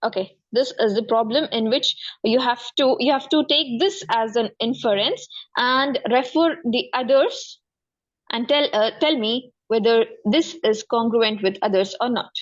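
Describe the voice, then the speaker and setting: A woman with a South Asian accent and a fairly high voice tutors a student in maths one-to-one at an unhurried pace. She is encouraging and frequently checks that the student is following. The recording's highs are cut off.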